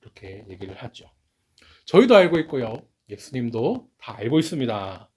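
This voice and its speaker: A man preaching a sermon as pastor, telling stories with lively delivery and acting out what people said. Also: medium pitch, normal speed, breathy edge. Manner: lively storytelling, acts out quoted speech.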